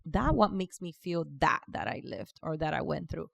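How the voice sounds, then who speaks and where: A woman with a Cuban Spanish accent, her voice low and gravelly, talking as a podcast guest. She speaks in long, loose stretches, restarting phrases and laughing as she goes. The sound is close and dry. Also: very animated, normal speed, dry recording. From Cuba. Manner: talkative, restarts often, laughs easily. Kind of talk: casual interview conversation.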